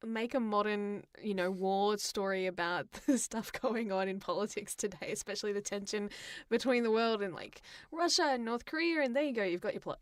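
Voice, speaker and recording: A woman's voice: mid-range voice, normal speed, no echo, clean studio sound. A woman chatting casually as a podcast co-host, informal and opinionated in the way she talks. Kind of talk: casual chat about games and films.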